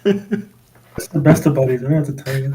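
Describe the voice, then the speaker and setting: A man running a tabletop game as game master, talking in an unhurried way with hesitant fillers. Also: mid-range voice, warm tone, a little hiss or hum. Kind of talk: casual tabletop game chat.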